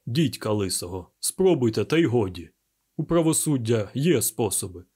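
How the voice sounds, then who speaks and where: A man voicing a gruff, stubborn police inspector who grumbles and talks slowly and heavily. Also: mid-range voice, big pitch swings, warm tone. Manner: gruff, grumbling, slow and heavy.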